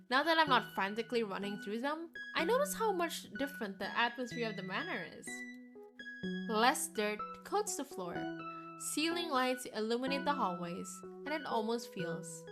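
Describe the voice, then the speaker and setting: A woman game streamer reading visual novel narration aloud in an expressive storytelling manner. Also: on the high side. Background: game music.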